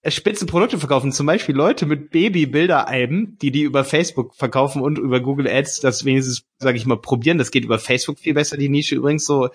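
A man's voice: medium pitch, fast talker, hardly any pauses, breathy edge. A man on a podcast talking casually, explaining his ideas eagerly with hesitant fillers along the way. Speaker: podcast co-host, ads course seller.

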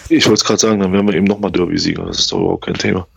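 A man co-hosting a casual fan podcast, talking thoughtfully and haltingly with repeated words. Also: sits low, gravelly, breathy edge, dry recording. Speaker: podcast co-host. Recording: dry, slightly dull sound.

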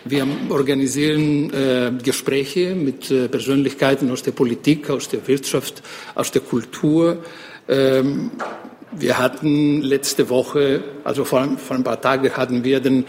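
A man's voice: mid-range voice, steady tone, a little mellow, slight background noise. A man, a foreign correspondent introducing himself on a panel, hesitating often with fillers. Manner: halting, many fillers.

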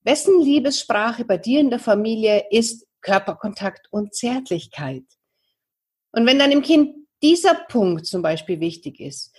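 A woman's voice: fairly high pitch, slightly rough. A woman in her thirties giving a talk to parents, addressing the listener directly with many questions. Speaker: parenting coach. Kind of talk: talk on love languages for parents.

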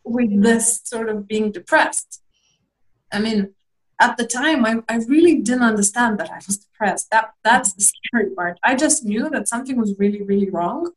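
A young woman from Lithuania speaks with a slightly high voice. She talks candidly and reflectively as an interview guest, pausing, restarting, and letting out small laughs. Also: low-quality recording.

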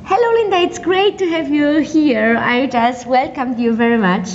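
A woman hosting a podcast interview, enthusiastic and quick, often restarting her sentences. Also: sits high, lo-fi sound, slight background noise. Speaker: podcast host. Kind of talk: interview, asking questions.

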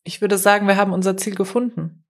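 A woman's voice: medium pitch, little pitch movement, quick pace, lightly acted. A woman voicing an eager, pushy young man who coaxes his friend out to party. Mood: coaxing.

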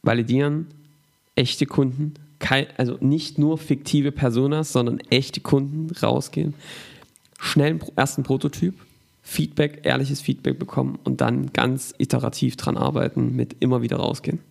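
A man hosts a business podcast, summing up his guest's points and leaning on filler sounds. His middle-pitched voice carries a strong, gravelly vocal fry. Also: steady tone, moderate pace, darkish tone. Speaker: podcast host. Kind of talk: conversational interview.

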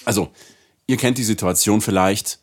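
Low-voiced man in casual podcast talk. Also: normal speed. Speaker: podcast co-host.

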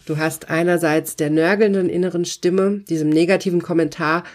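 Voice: mid-range voice, steady tone, normal speed. A coach who runs hypnosis sessions gives a self-help talk, speaking straight to the listener in an encouraging, emphatic way with repeated affirmations. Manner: warm, encouraging second-person address with repeated affirmations; emphatic, pointed phrasing.

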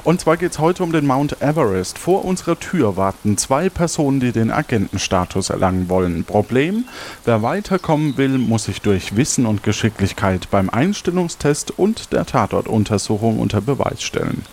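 Brief: male podcast quizmaster, upbeat announcer with a lively, varied pitch. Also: normal speed, a little hiss or hum. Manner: upbeat, announcing, slips on words. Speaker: host and quizmaster. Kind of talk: podcast game show hosting.

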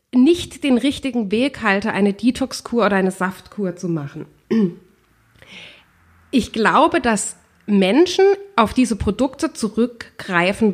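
Podcast co-host, woman in her thirties, stuffy with a cold, emphatic and opinionated. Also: mid-range voice. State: has a head cold, runny nose. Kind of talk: casual Q&A podcast talk.

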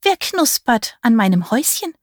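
A woman's voice: a little high, very animated, normal speed, dry recording, studio quality, pitched above the performer's own voice. A woman voicing an old witch in a gingerbread house, with a rusty, scratchy voice and a singsong chant.

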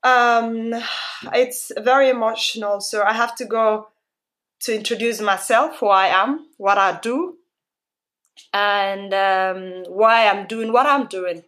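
Born in Somalia and raised in Kenya, this woman speaks with an East African accent as a guest speaker giving a personal talk. Her mid-range voice is fairly bright, and she takes her time. She delivers it with heartfelt emphasis, often repeating phrases to drive them home.

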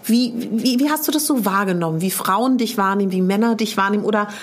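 Interviewerin, mittlere Stimmlage, etwas hauchig, einfühlsam fragend. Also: female voice, mid-range voice, quick pace. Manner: empathetic, asks long leading questions. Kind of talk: conversational interview.

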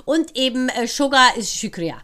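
Hoarse, gushing middle-aged woman. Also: sits high, animated, moderate pace, sharp tone. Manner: gushing, enthusiastic storyteller. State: hoarse from a night of dancing. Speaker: podcast co-host. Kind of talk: casual chat.

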